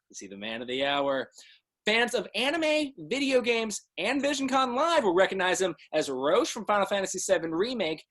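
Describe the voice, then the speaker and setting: A young man hosting an interview in an animated, showy way, enthusiastic and playful. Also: sits high. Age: young adult. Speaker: interview host. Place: video call from indoors.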